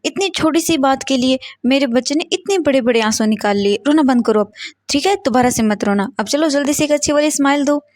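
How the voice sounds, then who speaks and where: A woman voicing a caring middle-aged father who gently coaxes his crying son to calm down. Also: sits high, fairly quick, no echo, voice pushed up. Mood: soothing. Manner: gentle coaxing, repeating "beta". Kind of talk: storytelling in character.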